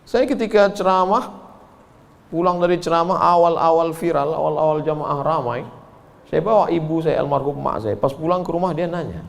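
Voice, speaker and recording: A man's voice: fairly high pitch, normal speed, vocal fry. A man preaching a sermon, telling stories dramatically with humorous asides and acting out the voices of the people he quotes.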